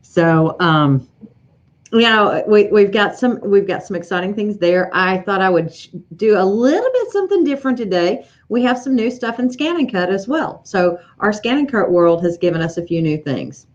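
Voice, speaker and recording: A chatty middle-aged woman with an East Tennessee Southern accent hosts a live stream from her sewing room at home. She rambles warmly through fillers and restarts, her voice sitting at a middle pitch. The audio is a little dull and lo-fi. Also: big pitch swings, normal speed. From East Tennessee, USA. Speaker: livestream host, embroidery educator. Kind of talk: casual live-stream chat greeting viewers. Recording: slightly dull lo-fi livestream audio.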